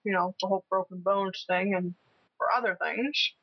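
A woman co-hosting a casual chat at home, playfully asking quick personal questions. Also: mid-range voice, steady tone, slightly rough, no echo. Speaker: podcast co-host. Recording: muffled lo-fi home recording, faint hiss.

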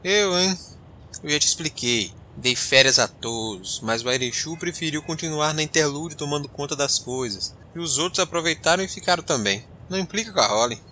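Um homem interpretando um capitão de nave informal e expressivo, apresentador e narrador de um audiodrama. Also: male voice, fairly high pitch, lively intonation, fairly quick, bright, forceful tone, slight background noise. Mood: exasperated. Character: male spaceship captain, breezy, mildly grumpy storyteller. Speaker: host. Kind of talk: audio drama narration and dialogue.

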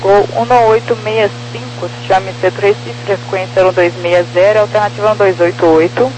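High-voiced male controller on noisy radio. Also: steady tone, moderate pace, a little mellow. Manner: clipped procedural phrasing. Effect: crackly radio. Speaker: air traffic controller. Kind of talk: aviation radio communication, directing flights. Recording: humming, noisy radio transmission.

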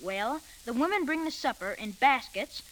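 A woman's voice: high-pitched, lively intonation, normal speed, fairly bright tone, low-quality recording. A woman playing an eager, chatty young farm boy in an old radio drama.

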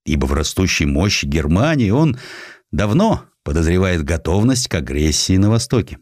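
A man reading historical stories as an audiobook narrator, with expressive scripted delivery, close on the microphone. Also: low voice, normal speed, no echo. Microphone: close studio microphone.

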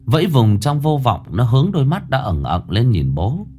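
A man's voice: mid-range voice, wildly swooping pitch, normal speed, dark tone. A man narrating a horror story in a dramatic, ominous scripted reading.

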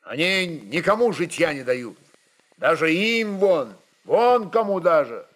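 A man playing a bold, impatient Cossack rebel chieftain who makes forceful, halting declarations. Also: a little high, very animated, pitched above the performer's own voice, full character voice. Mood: forceful, uneasy.

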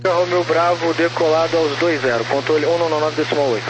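Brazilian tower controller on humming radio. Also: male voice, a little high, steady tone, fairly quick. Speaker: tower air traffic controller. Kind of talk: air traffic control radio, clipped instructions. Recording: noisy tower radio with hum.

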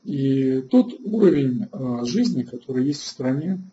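A man hosting an online webinar lecture, halting with filler sounds and restarts, and answering chat questions between points. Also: mid-range voice, lively intonation, dark tone, dull audio, slight background noise. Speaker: webinar host.

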